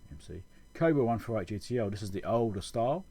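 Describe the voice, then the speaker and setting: A man with a husky, fairly low voice talks through a technical explanation. His tone is soft-edged and relaxed, and his delivery is informal, like someone thinking aloud while he teaches. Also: fast talker. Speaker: electronics repair video host. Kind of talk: casual technical tutorial over schematics.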